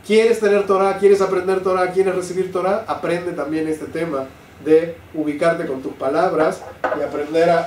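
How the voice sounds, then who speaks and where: Older male rabbi, lively teacher, fond of rhetorical questions; distant mic, faint hiss. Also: fairly high pitch. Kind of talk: Torah class. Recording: roomy sound, mic at a distance, faint noise.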